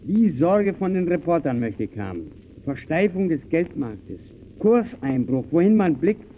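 A man's voice: a little high, sing-song, unhurried. An actor playing a dismissive, self-satisfied bourgeois man who blusters colloquially in an old radio play. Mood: scoffing. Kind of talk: 1920s German radio play dialogue. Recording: dull old radio recording, faint noise.

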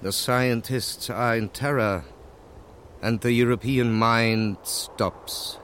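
A man's voice: medium pitch, fairly even intonation, slow pace, a bit bright, slight background noise. A man reciting poetry in a solemn literary style.

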